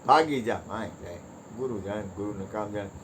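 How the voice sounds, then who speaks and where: A man's voice: fairly low pitch, normal speed, slight background noise. A man giving a devotional satsang talk in a folksy, conversational way, joking with his listeners. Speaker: satsang speaker.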